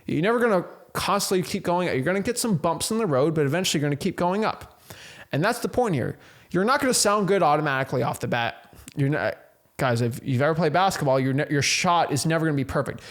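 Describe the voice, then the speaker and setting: A young man hosting his own channel, giving emphatic, casual motivational coaching on cold calling. He keeps repeating himself, tosses in "right?", and rushes from point to point. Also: fairly high pitch, expressive. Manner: emphatic, repetitive, rapid-fire with frequent "literally" and "right?". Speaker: real estate wholesaling coach and channel host. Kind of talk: casual motivational talk to camera.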